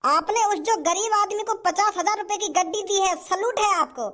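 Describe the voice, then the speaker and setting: A man playing an eager TV reporter, very high voice, gushing. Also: moderate pace, sharp tone. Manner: gushing interviewer. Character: eager male TV news reporter.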